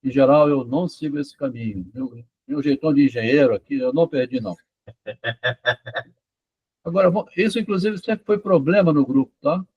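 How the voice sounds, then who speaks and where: A man's voice: medium pitch, moderate pace, a little mellow, slightly rough, dry recording, dull audio. A man talking casually, rambling and checking in with "tá?" and "né?" as he goes. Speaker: author discussing his doctoral thesis. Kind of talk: casual conversation about psychoanalysis and literature.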